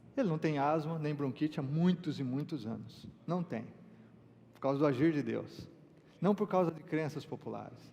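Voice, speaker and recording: Long, frequent pauses break up a man's fairly high voice. His pace is moderate, with ordinary pitch variation. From Brazil. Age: 50s. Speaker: pastor. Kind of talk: sermon.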